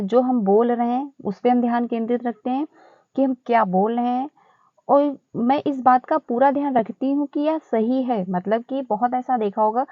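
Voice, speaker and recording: A woman explaining exam questions in a casual, chatty teaching style, repeating phrases and filling pauses as she goes. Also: a little high, no echo, dull audio.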